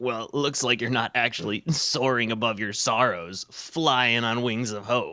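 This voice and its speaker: Using a put-on character voice with a smug tone, a man speaks at a medium pitch and a moderate pace, with hardly any pauses. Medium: read story. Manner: brash, smug.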